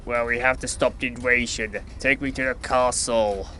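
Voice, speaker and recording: An actor playing a blunt, sarcastic and exasperated flying hero in an audio drama. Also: male voice, mid-range voice, fairly even intonation, normal speed, bright, forceful tone, a little hiss or hum, close to an everyday voice. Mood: blunt, questioning. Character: exasperated sweary flying hero, stranger from Earth. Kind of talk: scripted audio drama acting.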